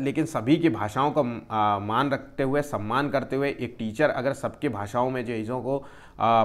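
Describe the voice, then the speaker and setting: A young man teaching exam-prep questions, explaining each answer step by step and repeating key terms. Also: mid-range voice. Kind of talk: Hindi exam-prep lesson.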